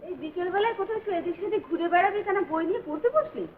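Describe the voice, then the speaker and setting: A woman's voice: very high voice, fast talker. An actress playing a middle-aged mother who scolds and presses her son, in 1950s film acting on a tinny old soundtrack with hiss. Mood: scolding. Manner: scolding, insistent.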